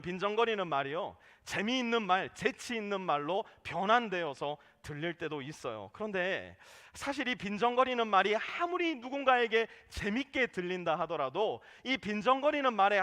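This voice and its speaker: A male pastor preaches in a high, bright voice that swings widely up and down. He is animated and sometimes acts out the voices of members of his church. A long reverb trails behind him in the sanctuary. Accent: Korean. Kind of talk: sermon.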